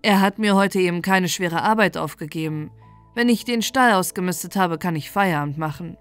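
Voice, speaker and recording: A woman doing a young king's son in a bedtime storybook, cheerful and curious, who marvels aloud at everything he finds. The voice stays close to the reader's own, gently lifted in wonder. Soft music plays faintly underneath. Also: on the low side, normal speed, lightly acted.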